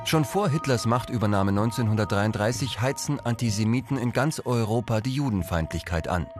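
A man's voice: fairly low pitch, expressive, music in the background. Serious male documentary narrator. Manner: measured, serious.

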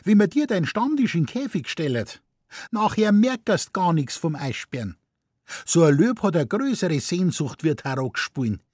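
A woman's voice: on the low side, very animated, normal speed, darkish tone, breathy edge, no room sound, studio quality, voice pushed up. A man reading aloud voices a plaintive, nagging Munich wife in broad Bavarian dialect. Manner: plaintive, scolding, pleading.

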